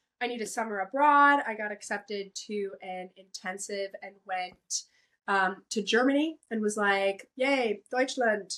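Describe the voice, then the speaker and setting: Bright, sharp tone in an American accent, fairly slow in pace, with ordinary pitch variation. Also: woman, fairly high pitch for a woman. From US South, Chesapeake, Virginia. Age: 20s. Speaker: musical theater actor. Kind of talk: casual chat.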